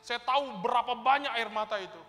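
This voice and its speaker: A man's voice: very high-pitched, quick pace, sharp tone. A male pastor preaching a sermon, telling a personal testimony in a fervent, conversational way and speaking straight to his congregation. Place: church hall. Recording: reverberant hall with faint music.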